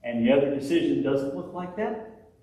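A man's voice: mid-range voice, expressive, moderate pace, dark tone. Young guy preaching, voice shoots way up when he pushes a point, really echoey room, mic far off, faint hiss. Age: young adult. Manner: impassioned preaching, voice climbing sharply on emphatic points. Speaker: pastor. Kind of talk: sermon. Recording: very echoey hall, distant mic, faint noise.

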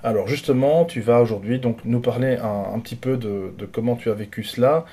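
Soft, husky-voiced man hosting an interview. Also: mid-range voice, fairly quick. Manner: hesitant, many fillers and restarts. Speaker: host. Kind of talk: casual interview intro. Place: small home room with curtains.

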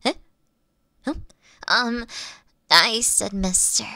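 A woman voicing a playful, affectionate fox-witch girlfriend in an intimate roleplay audio, teasing and cooing with breathy asides. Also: a little high, extremely slow, pushed and bright, dry recording, clean studio sound, heavily acted. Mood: flustered, bashful.

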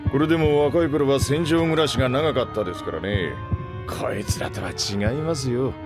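An actor playing a gruff middle-aged ship captain and former soldier, gravelly and rough-spoken, in an audio drama. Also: male voice, mid-range voice, moderate pace, close to an everyday voice. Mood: shaken, gruff. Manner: rough, salty speech. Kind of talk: Japanese audio drama acting. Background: background music.

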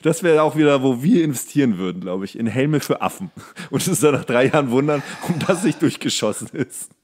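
A man's voice: mid-range voice, lively intonation, brisk, a little mellow. A man co-hosting a podcast in casual comedic banter, rambling along in a jokey, mock-serious way. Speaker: podcast co-host.

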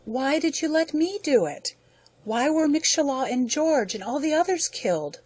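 A woman's voice: high-pitched, animated, moderate pace, a little mellow, no room sound, voice pushed up. A woman reading the part of an earnest young man, asking pleading questions.

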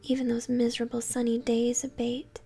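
A woman's voice: a little high, completely flat delivery, normal speed, creaky, warm tone, slightly rough. A woman voicing a fanatical monster cultist in a game, chanting reverent verse in a whisper. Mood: worshipful.

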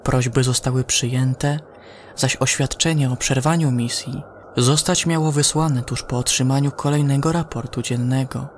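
A man narrating a scripted science-fiction horror story in a measured way, with dramatic pauses. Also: medium pitch, steady tone, slight background noise.

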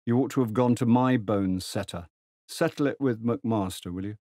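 Man reading as a blunt young gentleman, lecturing, cynical, dry studio sound. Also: on the low side, normal speed, no echo, natural voice. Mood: offhand.

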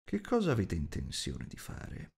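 A man voicing a gruff, rude, huge shape-changer who growls and talks bluntly. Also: low voice, wildly swooping pitch, moderate pace, a little mellow, exaggerated voice.

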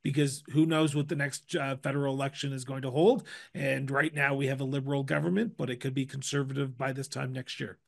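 A middle-aged man hosting a podcast interview, asking questions into a studio microphone, with halting starts and playful asides. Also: mid-range voice, steady tone, gravelly. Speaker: podcast host. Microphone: studio mic with headphones.

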